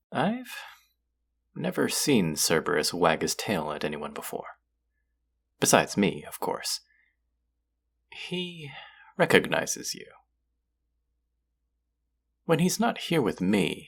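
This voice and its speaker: An actor playing a stern, haughty god of the underworld in an audio roleplay, speaking formally with an exasperated, grudging manner. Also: male voice, sits low, huge pitch swings, takes it slowly, vocal fry, pauses often, fairly bright tone, slightly rough, exaggerated voice. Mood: suspicious, curious. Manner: imperious, exasperated, formal speech with sighs. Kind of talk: scripted character audio roleplay.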